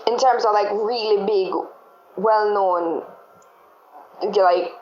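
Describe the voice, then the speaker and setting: A woman's voice: medium pitch, takes it slowly. Jamaican woman explaining, in an echoey room. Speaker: podcast host. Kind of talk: casual discussion. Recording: echoey, dull lo-fi room with faint noise.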